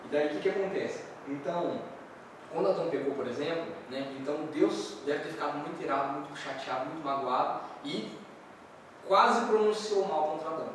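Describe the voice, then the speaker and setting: A man preaches a sermon in a voice pitched slightly high. He hammers his points home through repetition and rhetorical questions. His voice reaches the mic from far off across a very echoey church hall with a faint hiss underneath. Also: a little fast. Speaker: pastor.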